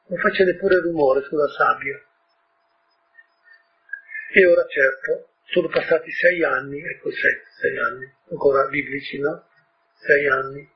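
Husky man retelling a story with asides. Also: high-pitched, dull audio. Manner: breaks off to question listeners, informal asides.

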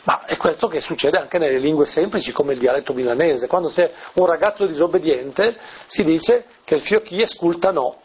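A man's voice: fairly high pitch, moderate pace, hardly any pauses, husky. A man, a priest, explaining a scripture passage in a teaching talk, asking rhetorical questions and tagging lines with "eh?". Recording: dull lo-fi recording.

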